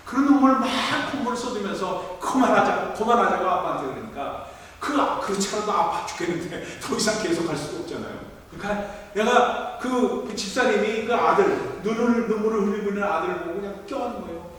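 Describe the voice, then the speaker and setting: A middle-aged man preaching a sermon, telling a story and acting out its voices with sudden loud peaks. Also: high voice, animated, fairly quick, a little hiss or hum. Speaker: pastor. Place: large church sanctuary. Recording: echoey hall from far off.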